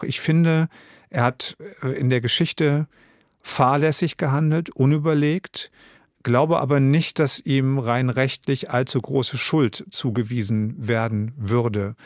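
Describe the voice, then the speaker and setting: A German man in his fifties, a radio drama director and author, answering interview questions thoughtfully with frequent pauses and restarts. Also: medium pitch, dry recording, studio quality. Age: 50s. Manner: thoughtful, many hesitations and restarts.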